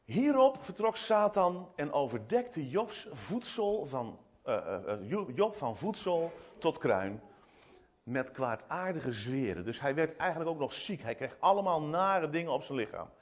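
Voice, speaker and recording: Guy doing a kids' sermon in church, animated, lots of restarts, swoopy voice. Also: a little high, a little slow. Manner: animated storytelling with frequent restarts. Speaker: preacher speaking to children. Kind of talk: children's sermon.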